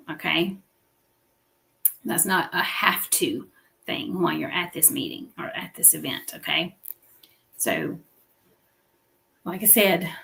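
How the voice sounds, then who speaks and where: Creaky-voiced woman coaching on a livestream. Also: fairly low pitch, a bit bright. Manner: coaching, checks in with repeated "okay?" and "right?". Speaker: business coach hosting a weekly livestream. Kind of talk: motivational livestream teaching.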